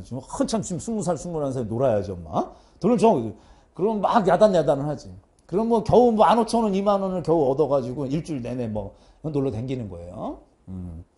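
A man's voice: sits high, warm tone. A middle-aged man lecturing students in a chatty, teasing way, often acting out his mother's lines. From South Korea. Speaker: social studies lecturer.

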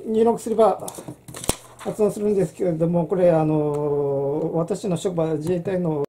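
Woman, middle-aged, casual lesson, low pitch, lots of um and restarts. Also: mellow, a little hiss or hum. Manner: rambling, halting, many restarts and fillers. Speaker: channel host.

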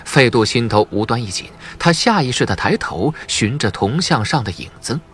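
A man narrating an audiobook novel in an expressive, scripted storytelling style. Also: medium pitch, moderate pace, faint music behind.

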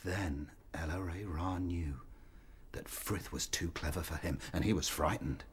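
A man playing a young rabbit, an eager but timid storyteller, with a theatrical, expressive delivery in a radio play. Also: low voice, unhurried, a little hiss or hum. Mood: rapt storytelling.

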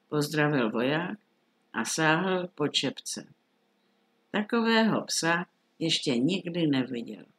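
An older woman telling a fairy tale in a lively, folksy storytelling manner. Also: low voice.

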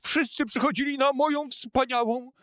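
An actor playing an excitable, self-important male food-stall owner who stammers and repeats himself in an improvised children's radio play. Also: very high-pitched, normal speed, no room sound, studio quality. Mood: indignant.

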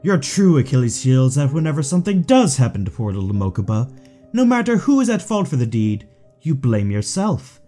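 A man acts out a smug, aristocratic audio drama villain with a mellow tone. His pitch swoops theatrically as he taunts and condescends, with music playing underneath. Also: big pitch swings, brisk. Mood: mocking, condescending. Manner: mocking, drawling, condescending.

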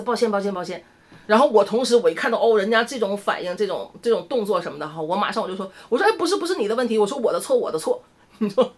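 A middle-aged woman from Shenyang with a Northeastern Mandarin accent, chatting animatedly to camera and telling a story. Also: mid-range voice. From Shenyang, northeast China. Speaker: vlogger. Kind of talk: casual chat to camera.

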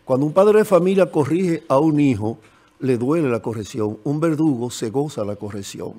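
A man's voice: mid-range voice, lively intonation, moderate pace, warm tone. A man in his sixties with a Dominican Spanish accent, a Catholic priest speaking earnestly and in a fatherly way as a guest on a TV panel, at a desk microphone in a studio. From Dominican Republic. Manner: earnest, fatherly, gestures emphatically. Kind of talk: TV panel discussion. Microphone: desk microphone on stand.

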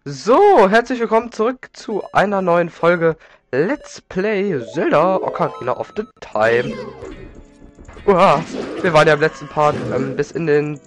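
A man's voice: fairly high pitch, animated, measured pace. A man with a slight head cold giving casual, rambling video game commentary as a let's play host. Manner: informal, rambling, repeats words. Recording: game music behind. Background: video game music.

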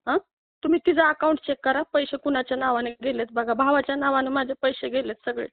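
A high-pitched woman pleads over a tinny, dry phone line, her voice thin and close with no room around it. She sounds upset, near tears, and keeps pressing her complaint with short questioning tags. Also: fairly even intonation, fast, gravelly, dry recording. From Maharashtra. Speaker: caller asking for help.

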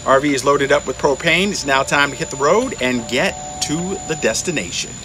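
Speaking at a medium pitch and a fairly quick pace, a middle-aged man records a casual travel vlog with voice-over about his RV trip, upbeat and full of fillers. The phone is held at arm's length as he moves from inside a car to outdoors beside an RV, and background music runs under his speech.

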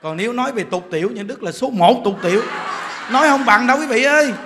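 Southern Vietnamese monk, high voice, joking sermon, chatty repeats, faint hiss behind. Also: male voice, fast. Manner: joking, chatty, repeats words while building a point. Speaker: Buddhist monk. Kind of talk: humorous storytelling sermon.

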